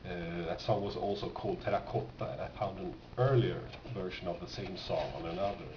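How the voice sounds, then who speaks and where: A man with a Swedish accent, a native Swedish speaker, talks casually and haltingly as he shows items from his collection, often pausing mid-sentence. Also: deep voice, steady tone. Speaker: record collector presenting finds. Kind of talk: casual unscripted show-and-tell. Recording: dull, echoey, noisy amateur room recording.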